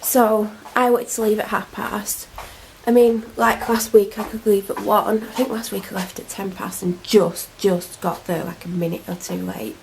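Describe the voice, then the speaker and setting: A woman's voice: medium pitch, fairly even intonation, normal speed, vocal fry, a little mellow, slight background noise, low-quality recording. A young woman with a cold, chatting and rambling to camera at home in a casual vlog. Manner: rambling, self-deprecating, chatty. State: congested, snotty from a cold. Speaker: vlogger. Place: at home, indoors. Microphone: camera mic.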